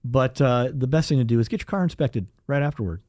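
A male radio host talks casually at a brisk clip. His voice sits at an average pitch in a very dry studio sound. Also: a little mellow, no room sound. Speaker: car-advice radio show host.

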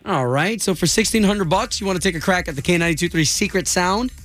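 A man's voice: high voice, quick pace, noisy background. A man hosting a radio morning show in casual, conversational banter.

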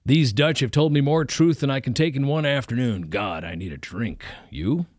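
A gruff older preacher, as a male reader puts him on, blunt and folksy, barking orders with a raised, commanding voice. He sits in a dry, close-miked sound with no room around it. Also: mid-range voice, lively intonation, normal speed, darkish tone, no room sound, pitched above the performer's own voice, lightly acted.

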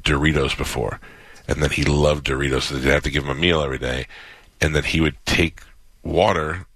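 Bright-toned fifty-something male host, dry close mic. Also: a bass voice, steady tone, a little fast, dry recording. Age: 50s. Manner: rambling, self-interrupting questions. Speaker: radio show host. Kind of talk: casual interview chat.

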